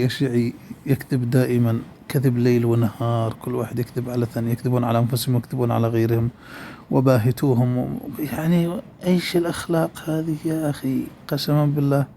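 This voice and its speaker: A man's voice: mid-range voice, level tone, fast, dark tone, slight background noise. A man delivering a polemical monologue in a rhetorical manner, repeatedly addressing his listeners directly. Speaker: religious polemicist.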